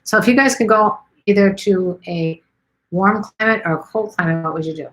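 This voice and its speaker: A woman's voice: mid-range voice, normal speed, fairly bright tone. A middle-aged woman from Chicago hosts a live stream, chatting casually and rambling with lots of ums as she reads viewer comments. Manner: chatty, rambling, many ums and let's sees.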